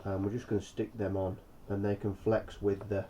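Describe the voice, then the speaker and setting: A man with a croaky, froggy voice from being under the weather, casually explaining a hands-on DIY job as a vlogger. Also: fairly low pitch, level tone, normal speed, mellow, slight background noise.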